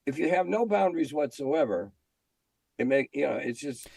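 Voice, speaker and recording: A man's voice: on the high side, expressive, moderate pace, creaky, a little mellow, husky, dry recording. An older American man reminiscing in an interview in a blunt, salty, opinionated way. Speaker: veteran game editor being interviewed.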